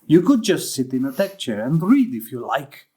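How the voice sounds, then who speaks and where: An actor playing a gentle, courting foreign man who is learning English and searches for his words. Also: mid-range voice, big pitch swings, normal speed, husky. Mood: wistful, inviting. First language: not English, a learner of English.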